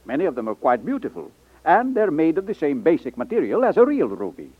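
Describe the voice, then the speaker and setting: A courtly middle-aged jeweler in a 1950s radio play. His voice sits fairly high and moves with animation, selling politely and fussing like a father. The sound is dry and muffled. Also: wildly swooping pitch, fast talker, husky, dry recording, full character voice. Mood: proud, courteous. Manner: salesmanlike, courteous, inverted phrasing. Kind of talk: 1950s radio drama acting. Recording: dull 1950s radio recording.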